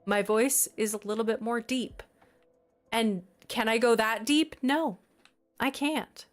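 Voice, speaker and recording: Slow, chatty woman streaming a game. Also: fairly high pitch, faint music behind. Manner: chatty and giggly, reading out and answering chat. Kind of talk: casual live-stream chat while playing a game.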